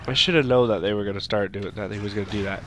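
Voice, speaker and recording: A young man with a stuffy nose from a cold, rambling through casual let's-play commentary and shouting at the game now and then. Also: fairly low pitch, slight background noise. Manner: rambling, makes sound effects and shouts at the game.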